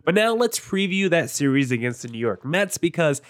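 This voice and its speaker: A man's voice: a little high, very animated, a bit bright, no room sound. Young man, nasal and stuffed up, podcast host, dry close sound. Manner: brisk, self-promoting, stat-heavy. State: congested, nasal from allergies. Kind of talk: casual sports podcast talk.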